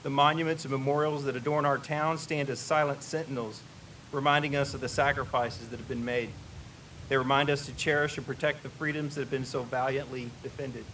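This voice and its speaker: Retired Navy officer with a Kentucky accent delivering a formal speech, picked up on a distant mic. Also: male voice, medium pitch, flat delivery, a little fast, a bit bright, a little hiss or hum. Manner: folksy asides, then a solemn prepared address.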